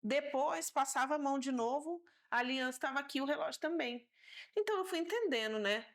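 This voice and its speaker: A woman with a Brazilian Portuguese accent tells her faith testimony as a talk-show guest. Her voice sits a little high, and she brings the story to life by acting out what she once said and thought. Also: fairly quick. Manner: animated storytelling, acting out her own past words.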